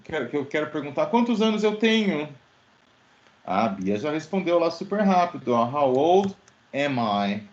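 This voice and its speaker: Lively male English teacher, lo-fi. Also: a little high, moderate pace. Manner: lively, questioning, addresses students by name. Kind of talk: online class explanation. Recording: dull lo-fi audio.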